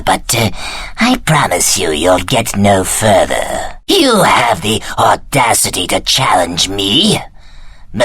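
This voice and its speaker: An actor playing a pompous, scornful evil wizard in a fantasy video game, speaking in a deliberate, haughty way. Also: male voice, medium pitch, pushed and bright, husky, no room sound, exaggerated voice.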